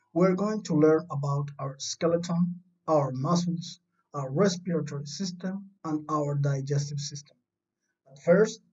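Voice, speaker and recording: Slow, mellow teacher. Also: mid-range voice. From Chile. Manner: patient, simple explaining tone, reassuring pupils. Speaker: primary school science teacher. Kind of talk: recorded remote lesson for young children. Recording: distant, dull lo-fi home recording.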